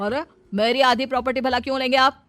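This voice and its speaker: A woman's voice: sits high, level tone, fast, music in the background, close to an everyday voice. A woman voicing a greedy young husband in a cartoon, speaking in a complaining, indignant way.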